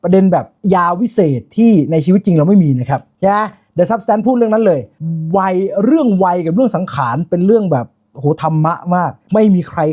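A man's voice: sits high, warm tone. A man giving a casual spoken film review, chatty and informal, with lots of asides and self-corrections.

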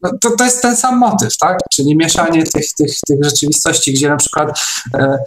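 A man talking casually in an online discussion, in a halting way with repeated and restarted phrases. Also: fairly high pitch, expressive, slight background noise, low-quality recording. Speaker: discussion participant.

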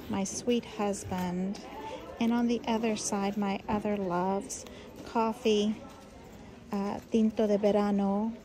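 A woman host casually walking through her scrapbook pages detail by detail, filmed on a handheld phone at a busy craft retreat in a large hall. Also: mid-range voice. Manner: chatty, friendly, walking through each detail. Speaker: paper craft channel host. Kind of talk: casual craft show-and-tell vlog. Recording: busy crowded hall chatter.

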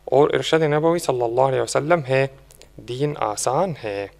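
A man preaching a sermon in a measured way, slowly drawing out the verses he recites. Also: medium pitch, vocal fry, darkish tone. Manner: measured preaching, slow drawn-out Quran recitation.

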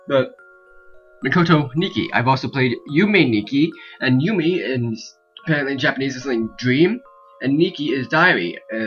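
A man's voice: medium pitch, a bit bright. A man with a mid-range voice hosts a casual gaming video. He rambles and tosses in joking asides. The sound is a bit dull and lo-fi, with game music behind him. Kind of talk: casual let's play commentary with reading game text aloud.

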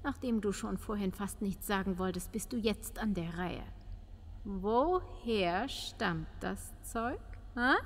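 An actress playing a shrewd, sardonic police pathologist in a crime radio play, teasing and probing. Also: female voice, medium pitch, lively intonation, takes it slowly, big-room sound, a little hiss or hum. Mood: stern, probing. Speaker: actor in crime audio drama. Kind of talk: German crime audio drama acting.

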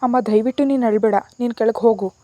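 Woman reading a story doing a stubborn young girl talking back, high and loud, kinda warm tone underneath. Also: fairly even intonation, quick pace, no room sound, lightly acted. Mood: cold, resolute. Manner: sharp, indignant and loud. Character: defiant proud young woman, stubborn and unyielding.

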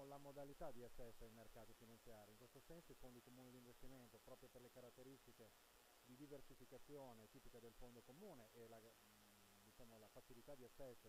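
Middle-aged male executive, measured and businesslike, handheld mic at a noisy trade fair with hiss. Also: medium pitch. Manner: measured, businesslike, with frequent fillers. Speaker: sales director of an asset manager. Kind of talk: trade-fair interview answers. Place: busy trade-fair stand indoors. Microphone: handheld interviewer mic held close. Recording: audible hiss and background noise.

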